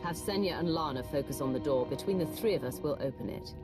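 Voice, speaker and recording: A woman's voice: deep voice, fast, close to an everyday voice. A woman voicing a blunt, sardonic female Sith warrior commander. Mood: dry, wry. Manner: dry, sardonic. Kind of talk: video game voice acting. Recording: music bed under the dialogue.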